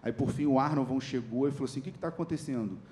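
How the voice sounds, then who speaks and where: A man's voice: mid-range voice, quick pace, warm tone, a little hiss or hum. A young Brazilian man giving a sermon testimony, telling a story and acting out the dialogue in it. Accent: Brazilian Portuguese. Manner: storytelling, acts out dialogue with rising voice. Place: church. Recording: echoey church hall with faint ambience.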